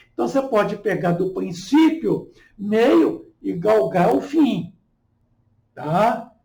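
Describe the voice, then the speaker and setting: Male instructor, gravelly and slow, deliberate lecture delivery with frequent check-ins. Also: high voice, darkish tone, reverberant, rough recording. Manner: slow, deliberate, tag questions like "tá?" and "certo?". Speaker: public speaking teacher. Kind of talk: online lecture.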